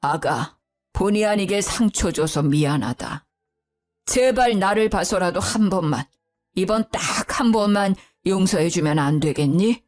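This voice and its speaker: A woman voicing a stern older father-in-law who shouts in anger and later pleads gently in a low voice, in a spoken story. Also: expressive, a little slow, faint music behind, lightly acted. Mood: pleading.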